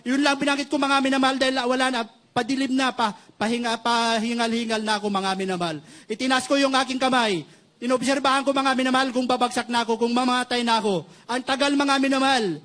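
A middle-aged man from the Philippines giving a testimony to a church congregation, halting and restarting, filling pauses with a fond address to his listeners. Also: very high-pitched, fairly even intonation, fairly bright tone. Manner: halting, repeats "mga minamahal" constantly, many restarts.

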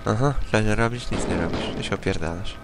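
A man's voice: fairly low pitch, fairly quick, background noise. A young man with a Polish accent giving sarcastic, profane let's-play commentary as he plays a game. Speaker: gaming YouTuber.

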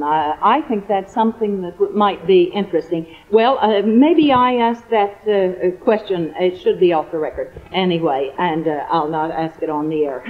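A tinny, narrow-band 1950s radio recording of an American woman interviewing. Her voice is mid-pitched, and she speaks politely with halting, hesitant phrasing. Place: convention hall radio interview.

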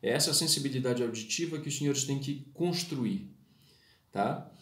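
A man's voice: medium pitch, normal speed, a bit bright, reverberant. A man teaching a poetry lesson, explaining verse meter in a didactic way and speaking formally to his listeners. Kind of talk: spoken lesson with sung verses.

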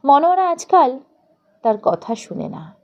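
A woman reads a literary story aloud in an expressive, deliberate storytelling manner. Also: sits high, highs cut off. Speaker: audiobook narrator. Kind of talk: scripted literary story narration.

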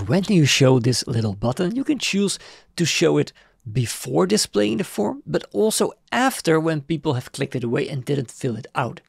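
Man, tutorial host, casual upbeat walkthrough, husky, lively pitch, dry close sound. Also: no echo. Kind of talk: screen-recorded software tutorial.

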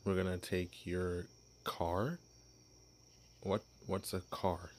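A man's voice: sits low, level tone, slow pace, slight background noise. A man voicing a shy, clueless young male vampire posing as human in an ASMR roleplay, stammering and apologizing. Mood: awed curious.

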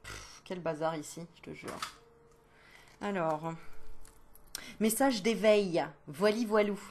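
A chatty woman, a medium, giving a casual oracle card reading straight to the viewer, laughing often and reading the card messages aloud slowly. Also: mid-range voice, a little mellow.

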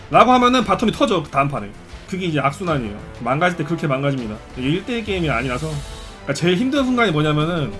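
A man talks casually while watching an esports match, blunt and musing in his manner. His voice is fairly high with animated swings in pitch, and music plays clearly behind him. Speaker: streamer reacting to esports match highlights. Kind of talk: casual watch-along chat and commentary.

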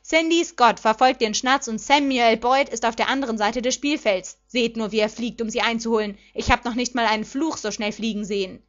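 A woman voicing an excited male sports commentator calling the action. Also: on the high side, a little fast, few pauses, dull audio, natural voice.

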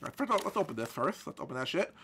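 Over a horror game, a male let's play commentator with a lisp rambles and swears, often restarting his sentences. His voice is fairly high, a bit bright, very animated, and rapid-fire, with a little hiss or hum in the recording.

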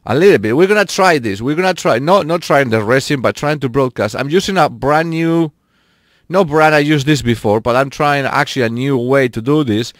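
A man's voice: medium pitch, a little fast, dry recording, studio quality. A man live streaming a racing game, chatting casually with his viewers and laughing often. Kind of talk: casual live-stream chat while gaming.

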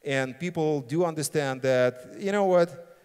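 On stage in a large conference hall, a middle-aged non-native English speaker gives a casual, blunt talk, frequently checking in with "right?". His voice is a little high, smooth and somewhat dark, and he takes his time. The hall's sound system adds plenty of reverb.

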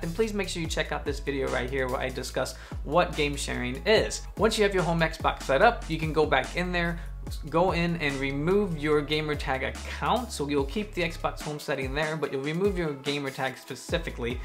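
A man in his thirties hosting a gaming tutorial vlog, talking to the camera from a room at home in a friendly, energetic way. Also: fairly high pitch. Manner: friendly, energetic, addresses viewers directly. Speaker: gaming tech YouTuber host. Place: home room with a TV and a lamp, indoors. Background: faint background music.

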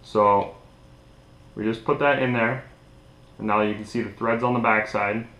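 Young man, lowish voice, casual DIY tutorial host, informal explaining, echoey small room. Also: fairly even intonation, normal speed, pushed and bright. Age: young adult. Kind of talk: casual hands-on demonstration. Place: small indoor room at a table.

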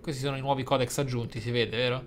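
Talking very fast with little pitch movement, a medium-pitched man hosts a role-play gaming video. His commentary is reflective and explanatory, mixed with some in-game text read aloud, over faint noise and game ambience.

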